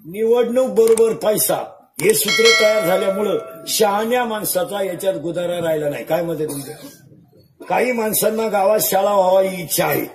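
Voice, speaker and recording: A man's voice: sits high, normal speed, noisy background. A man preaching a comic devotional sermon, peppering a live audience with jokes and rhetorical questions. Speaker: kirtan preacher. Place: live gathering before an audience. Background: crowd of listeners.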